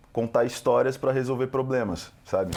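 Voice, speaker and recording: A man speaks in a Carioca accent. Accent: carioca (Rio). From Brazil, Rio de Janeiro (then São Paulo). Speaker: advertising creative director. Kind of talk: casual interview.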